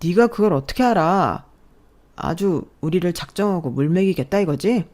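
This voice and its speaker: A woman's voice: on the low side, lively intonation, moderate pace, darkish tone, natural voice. A woman voicing a scheming, defensive young man, a sneering ex-fiancé in a storybook drama. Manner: sneering, contemptuous.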